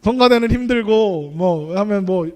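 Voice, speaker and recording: High-voiced man preaching to youth. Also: lively intonation, moderate pace, clear, resonant tone. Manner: conversational, asks the audience questions. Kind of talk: sermon.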